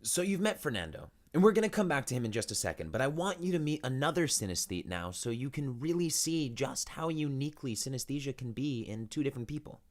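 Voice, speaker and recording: A man's voice: mid-range voice, very animated, fast talker, hardly any pauses. A man hosting a podcast, moving between upbeat scripted narration and casual interview questions. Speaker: podcast host.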